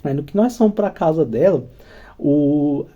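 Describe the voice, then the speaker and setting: A man's voice: on the high side, lively intonation, unhurried, mellow, muffled recording. A Brazilian man telling a crude, rambling personal story in casual slang as the host of his channel. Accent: Brazilian Portuguese.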